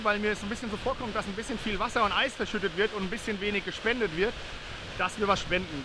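A man in his thirties talking casually to camera outdoors, with a fountain rushing behind him. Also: high voice. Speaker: DJ taking a charity challenge on camera. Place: outdoors by and in a large city fountain. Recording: loud rushing fountain water and hiss. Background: splashing fountain.

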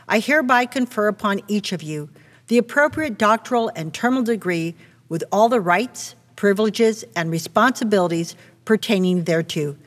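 A middle-aged woman, a university president, conferring degrees in a solemn, deliberate way at a podium on stage. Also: medium pitch, expressive. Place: stage with podium and red curtains. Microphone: podium mic. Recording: long hall reverb.

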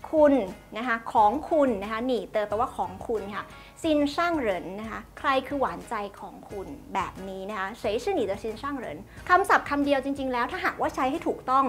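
A young woman with a high, bright-sounding voice hosts a language lesson, explaining phrases word by word in a chatty, polite way. Soft music plays faintly underneath. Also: lively intonation, a little fast, hardly any pauses. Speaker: host teaching Chinese through drama clips.

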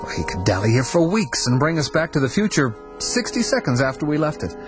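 An actor playing an anxious male fugitive from the future, nervous and quick to anger. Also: on the high side, very animated, music in the background. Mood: agitated. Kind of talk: 1980s radio drama acting.

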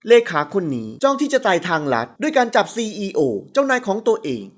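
Brief: woman narrator, lively expressive reading, slightly high voice, audiobook. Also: quick pace. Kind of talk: scripted narration.

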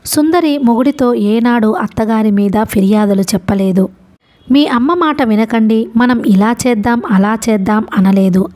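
A woman narrating a novel in a steady storytelling manner. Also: medium pitch. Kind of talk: novel reading.

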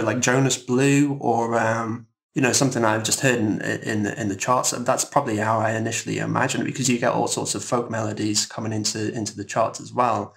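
A man speaking casually as a composer guest in a roundtable interview, explaining things in a halting, thoughtful, rambling way. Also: lowish voice, creaky.

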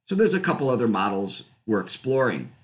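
A middle-aged man giving a conversational research talk over a video call from a room at home, explaining slides with fillers and quick self-corrections. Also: on the low side, big pitch swings. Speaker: physics researcher presenting. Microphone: webcam on a video call.

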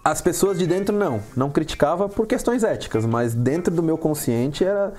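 A man with a Brazilian Portuguese accent, a comedian guest on a talk show, telling stories in an animated way and acting out what people said. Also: fairly high pitch, fairly quick, soft background music. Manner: animated storytelling, acts out quotes. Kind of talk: casual talk show interview.

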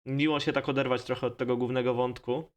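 A man's voice: medium pitch, flat delivery, fast, soft background music. A man with a Polish accent giving casual, slangy, mildly profane gaming commentary as host of a let's play. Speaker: gamer hosting a let's play series.

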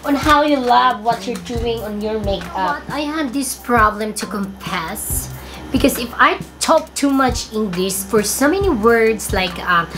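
Husky Filipino woman doing comedic makeup vlog. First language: Tagalog. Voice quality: deep and husky. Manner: playful, bursts into song and laughter. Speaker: makeup vlogger. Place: bedroom, indoors.

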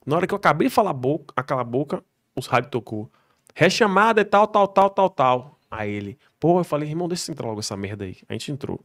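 A man, a military police soldier, telling slangy, animated stories on a podcast. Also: on the high side, fast talker. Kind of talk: podcast storytelling.

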